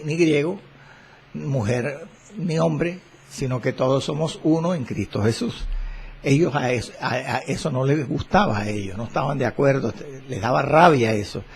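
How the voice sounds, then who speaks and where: A man teaching the Bible on a Christian radio program, praying and then explaining a passage in a slow, deliberate preaching manner. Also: medium pitch, vocal fry, slight background noise.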